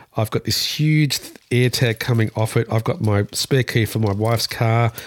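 With an Australian accent, a man speaks at a medium pitch and with fairly even intonation, in a dry, close sound with no echo. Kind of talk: casual chat. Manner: halting, repeats words.

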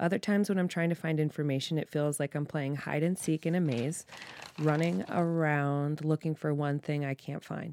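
A woman with a very deep, low pitch speaks at a moderate pace with ordinary pitch variation. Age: 20s. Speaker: podcast co-host. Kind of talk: casual chat.

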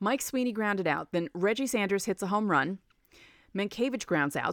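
In a very clean recording with a silent background, a woman with an American accent speaks at a fairly high pitch. Her intonation is lively. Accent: New York, comes out on some words. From New York City area. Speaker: baseball podcast host. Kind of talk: casual solo podcast; game recap.

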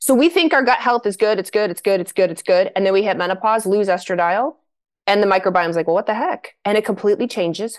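Using an ordinary speaking voice, a woman talks at a medium pitch with lively intonation. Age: 40s. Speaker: naturopathic doctor. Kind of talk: interview conversation.

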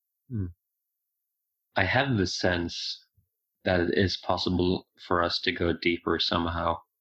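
With a very deep, low pitch and a bright, sharp tone, a man speaks fairly slowly with long, frequent pauses, fairly even intonation and very even loudness. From Norway. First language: Norwegian. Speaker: men's coach. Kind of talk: in-depth interview conversation.

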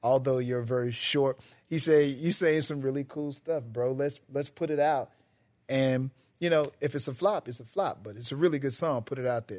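A man with a plain, everyday voice talks at a moderate pace, medium in pitch and with ordinary pitch variation. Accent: American. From North Carolina. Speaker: radio DJ and rapper. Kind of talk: casual interview.

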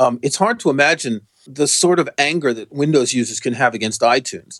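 A man with a normal speaking voice and an American accent talks at a fairly quick pace, with a fairly high pitch and ordinary pitch variation. The sound is dry and close, with no echo. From United States. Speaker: tech writer. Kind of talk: casual chat.

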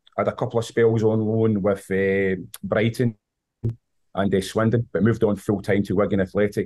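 This man has a Scottish accent and a dark, mellow tone. His fairly low voice moves at a fairly quick pace. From Scotland. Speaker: goalkeeping coach. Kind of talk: casual interview. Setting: video call.

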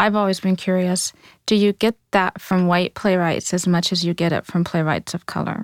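On a very clean recording with a silent background and a dry, close sound with no echo, a woman speaks at a moderate pace in a medium pitch with monotone, flat intonation. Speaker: playwright and educator. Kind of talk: panel discussion. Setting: studio in New York.

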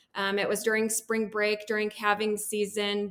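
A woman with a Midwestern US accent speaks in a flat monotone at a moderate pace. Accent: General American, Midwestern. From US Midwest, Peoria, Illinois. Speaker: farmer and hemp grower. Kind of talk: interview.

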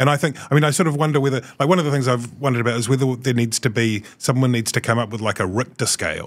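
Very fast talk from a man with a New Zealand accent, medium in pitch with ordinary pitch variation and hardly any pauses. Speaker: politics podcast host. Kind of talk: casual interview. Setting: studio.

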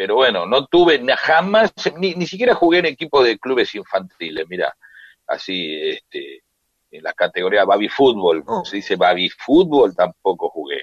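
Here a man talks at a moderate pace. His loudness swings widely. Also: dry, close sound with no echo. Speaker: radio co-host. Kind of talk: casual chat. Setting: home studio.

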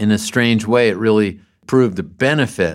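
A man talks in an ordinary speaking voice at a fairly slow pace, fairly low in pitch. The recording is very clean with a silent background. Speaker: author and music writer. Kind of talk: interview reflection on recording audiobook.

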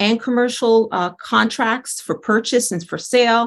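Vocal fry marks this voice, which moves at a fairly slow pace. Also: woman. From Greece. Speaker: attorney. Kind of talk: interview.

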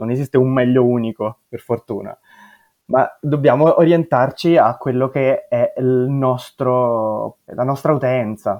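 Fairly slow pace in a Roman accent. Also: man, medium pitch for a man, ordinary pitch variation. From Rome, Italy. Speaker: bookseller. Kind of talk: interview.

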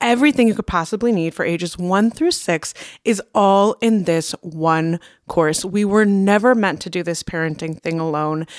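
A woman with a normal speaking voice, medium in pitch with ordinary variation, at a moderate pace, in a dry, close sound with no echo on a very clean recording with a silent background. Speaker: parenting podcast host. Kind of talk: casual chat.

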